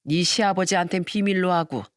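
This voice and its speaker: A scheming middle-aged mother-in-law, as a woman storyteller puts her on, coaxing and self-pitying, drawing out her words slowly. Her voice sits a touch low and measured. The sound is dry and close, with no room around it. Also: no room sound, natural voice.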